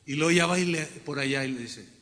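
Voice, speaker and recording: A man with a Mexican accent preaching a sermon to his congregation, telling stories in a humorous, animated way. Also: on the high side, quick pace, big-room sound. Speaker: pastor. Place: church hall.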